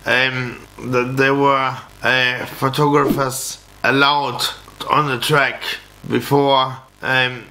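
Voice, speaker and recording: Man, slow-paced, halting, repeated words, flat intonation, casual vlog review. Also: mid-range voice, rough recording. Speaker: motorsport vlogger. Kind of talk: casual race review to camera. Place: small home office, indoors.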